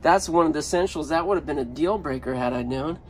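Filming on a handheld phone inside a parked van, a man gives a casual walkaround for his vlog. His voice is a little high and darkish, his pace quick, and he rambles offhandedly as he thinks aloud over a faint hiss or hum.

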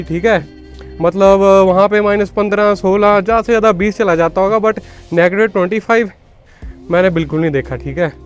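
Fast-talking high-voiced young man vlogging. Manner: chatty, mixes Hindi with English, calls viewers "bhai". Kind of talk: casual walking-tour vlog. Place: snowy city street outdoors.

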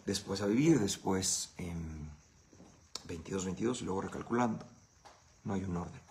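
A man's voice: deep voice, moderate pace, a little mellow, slight background noise. A man with a Mexican Spanish accent hosting a casual live Q&A. He answers viewer questions in a blunt, profane, conversational way.

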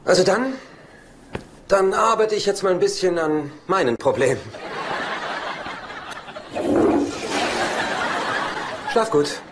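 A man's voice: sits high, lively intonation, normal speed, a crowd in the background. An actor playing a cynical, teasing middle-aged womanizer in a dubbed sitcom, with a dry, sarcastic delivery. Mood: wry. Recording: noisy TV soundtrack rip.

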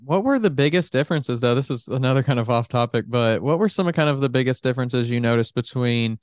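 A man's voice: medium pitch, lively intonation, fast talker, no room sound. A young man hosts the podcast, asking easygoing questions that wander with fillers. He sits close to a studio microphone, and his voice sounds dry and close. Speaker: podcast host. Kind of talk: interview questions and read sponsor ad. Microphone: studio microphone with headphones.

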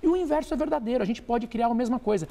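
A man, a doctor guest on a TV talk show, explaining calmly and answering his own rhetorical questions. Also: very high-pitched, racing, creaky. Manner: didactic, poses rhetorical questions then answers them. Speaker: obstetrician guest.

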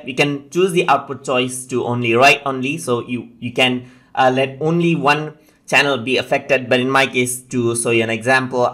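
A man presenting a software tutorial as a voice-over, explaining things step by step in an instructional way. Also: mid-range voice.

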